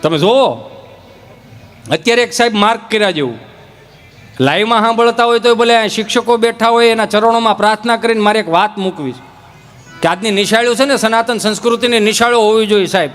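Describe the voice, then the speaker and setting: Folksy comic storyteller. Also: male voice, high voice, fairly quick, in a large hall, faint music behind. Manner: folksy, lively, acts out village characters. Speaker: stand-up comedian. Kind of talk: folk humor storytelling on stage.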